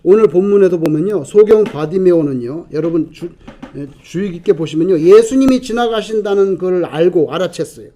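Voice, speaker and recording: Pastor, male, very high voice, animated preaching with rhetorical questions. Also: a little fast. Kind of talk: sermon.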